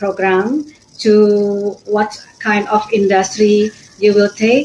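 A woman's very slow, monotone, flat delivery over light background noise. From Indonesia. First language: Indonesian. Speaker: business consultant; panelist. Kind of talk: panel discussion. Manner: halting. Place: home room. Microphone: video call.

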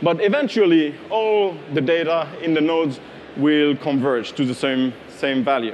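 A man with a French accent speaks at a fairly slow pace. His pitch is fairly high, with light background noise behind him. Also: ordinary pitch variation, very even loudness. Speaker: cloud solutions engineer; presenter. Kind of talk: technical talk. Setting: stage with audience. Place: hall.

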